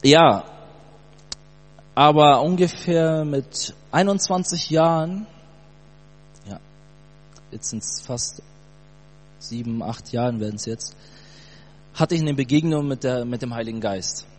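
A man in his late twenties from Brazil, telling his personal faith story in a casual, animated way with youth slang. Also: medium pitch, takes it slowly, long pauses. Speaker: church testimony speaker. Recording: long hall reverb with mains hum.

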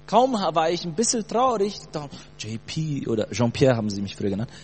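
A man in his late twenties from Brazil, telling his personal faith story in a casual, animated way with youth slang. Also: a little high, fairly quick, husky. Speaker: church testimony speaker. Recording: long hall reverb with mains hum.

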